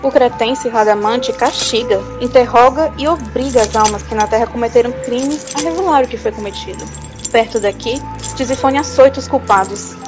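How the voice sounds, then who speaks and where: A woman's voice: fairly high pitch, moderate pace, natural voice. Woman acting a solemn Brazilian prophetess, music behind. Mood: grave. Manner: solemn, declamatory.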